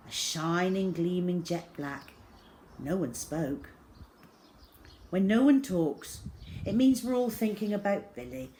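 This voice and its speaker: A woman reading a children's book aloud as an expressive storyteller, with measured, dramatic phrasing. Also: lowish voice. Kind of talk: expressive storytelling, scripted narration. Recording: clear background noise.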